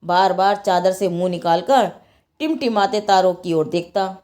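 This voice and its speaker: A woman narrating a scripted moral religious tale in an expressive, dramatic storytelling manner. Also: fairly low pitch, normal speed.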